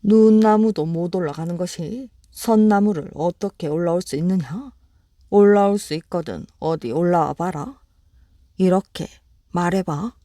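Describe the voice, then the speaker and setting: A woman's voice: lowish voice, moderate pace, mellow, no echo, studio quality, natural voice. A woman voicing a clever, sly little rabbit in a bedtime storybook reading, talking politely and persuasively. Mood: advising.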